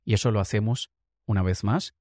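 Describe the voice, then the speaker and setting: A man's voice: on the low side, fairly quick, a little mellow, no room sound, clean studio sound. A man giving a conversational, reflective motivational talk and drawing on personal examples. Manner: occasional light laughs. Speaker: motivational speaker. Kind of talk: motivational monologue.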